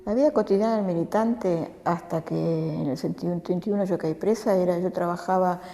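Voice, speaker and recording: Halting woman's testimony, warm and echoey. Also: fairly low pitch, vocal fry. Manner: halting, restarts as she recalls. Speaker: former militant giving testimony. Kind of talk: testimony interview. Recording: hall reverb, faint music.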